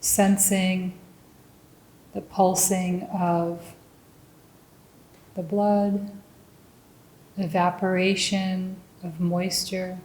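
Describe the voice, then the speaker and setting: A woman guides a meditation in a mellow, relaxed voice. She speaks very slowly and gently, placing short, deliberate phrases between long pauses. The sound is roomy, with audible echo around her words. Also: on the low side. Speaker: meditation teacher.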